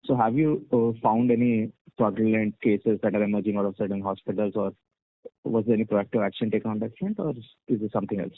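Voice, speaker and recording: Male analyst, lowish and fast, dry telephone sound. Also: no room sound. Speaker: analyst asking questions. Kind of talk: conference call questions. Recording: dry, phone-like audio.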